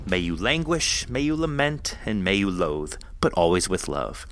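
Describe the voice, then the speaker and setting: A man's voice: low-pitched, big pitch swings, moderate pace, a bit bright. A man hosting a conversational author interview on a podcast, speaking in an effusive, encouraging way. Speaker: podcast host.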